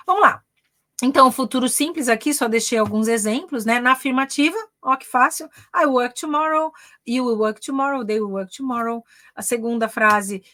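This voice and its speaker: A woman's voice: fairly high pitch, a bit bright. A woman with a Brazilian Portuguese accent giving a live online English grammar lesson, chatty, checking in with "ok?" and "né?" after almost every phrase. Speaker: English teacher and career mentor.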